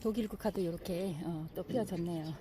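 Middle-aged woman, gardening vlog, warm mellow tone, chatty and admiring, outdoors, faint birds behind. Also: lowish voice, a little fast, slight background noise. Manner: chatty and admiring, many soft fillers. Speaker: gardening vlogger. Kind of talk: casual garden walk-through.

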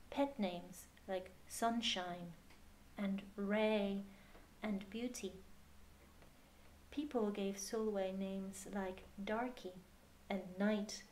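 A woman reading a picture book aloud to children in a measured, expressive way with pauses. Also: mid-range voice, slight background noise. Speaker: storyteller.

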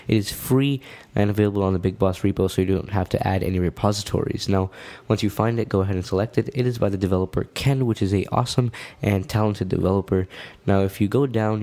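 A man's voice: on the low side, mellow. A man narrating a casual step-by-step tech tutorial in an informal, explanatory way.

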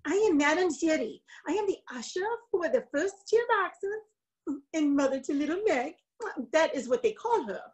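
A fussy, proud madame of the theatre, acted by a woman in a stage play. The voice is extremely high and swooping, with excitable, chatty delivery. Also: normal speed, poor audio. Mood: flustered pride. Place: room at home, video call.

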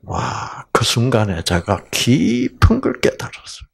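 A man giving a Bible lecture as a lively storyteller, asking the audience questions as he goes. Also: medium pitch, measured pace, vocal fry, husky.

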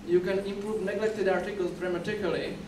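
Man lecturing in an echoey hall. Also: high-pitched. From Czech Republic. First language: Czech. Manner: halting, repeats words and restarts, steady explaining. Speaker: conference speaker. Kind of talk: conference presentation. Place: dim lecture hall, at a podium. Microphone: podium mic, recorded from a far camera. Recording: echoey hall recorded from far off, noisy.

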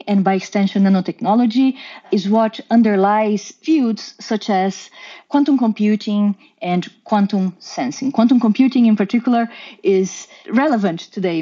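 Brazilian-accented woman, mellow muffled voice. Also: mid-range voice. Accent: Brazilian Portuguese. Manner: careful, explanatory, with occasional restarts. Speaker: guest scientist. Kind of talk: podcast interview, explaining.

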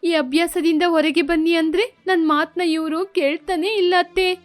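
A woman's voice: very high-pitched, steady tone, normal speed, soft background music. A woman voicing a desperate young wife who pleads plaintively to her mother-in-law. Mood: pleading.

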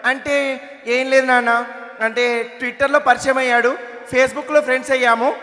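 Coy teenage girl, slow sweet replies, a male mimic voicing her. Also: extremely high pitch, little pitch movement, sharp tone, voice pushed up, exaggerated voice. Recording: reverberant stage hall.

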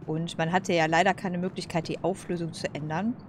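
A woman with a fairly low voice gives casual gaming commentary. She thinks aloud in a colloquial, hesitant way, with noticeable noise and game ambience behind her. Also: flat delivery, a little fast. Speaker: let's play host.

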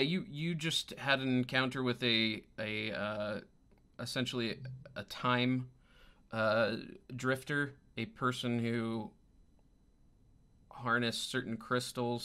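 Bright-voiced man running a tabletop game. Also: medium pitch, smooth. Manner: halting, pausing to find words. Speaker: game master. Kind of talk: improvised narration of a tabletop roleplaying game. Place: indoor room at home, on a video call.

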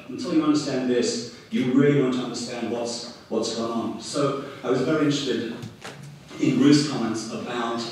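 A man in the audience of a debate, speaking deliberately with hesitant restarts. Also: medium pitch. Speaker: audience member asking a question. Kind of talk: public debate comment. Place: large conference hall, in the audience. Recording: echoey hall, distant mic, faint noise.

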